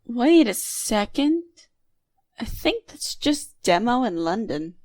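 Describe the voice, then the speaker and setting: A woman's voice: on the high side, very animated, slow, darkish tone, no room sound. A woman playing a dry, reluctant young adventurer in an audio drama. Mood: watchful.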